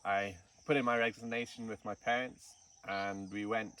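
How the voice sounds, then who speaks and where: Male guest from Kenya, relaxed storyteller, interview recorded at a distance outdoors. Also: fairly low pitch, moderate pace. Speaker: snake farm curator. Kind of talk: casual interview. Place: outdoors in the bush. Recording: distant mic with faint insect noise.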